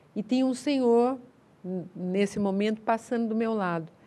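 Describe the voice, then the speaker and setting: A woman speaks at a moderate pace in a fairly high pitch. Her tone is dark and mellow, with ordinary pitch variation. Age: 50s. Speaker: foundation administrator and amateur runner. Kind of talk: TV interview.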